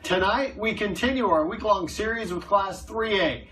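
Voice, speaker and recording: High-voiced flustered male news anchor. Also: moderate pace, bright, forceful tone, a little hiss or hum. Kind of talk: TV anchor read.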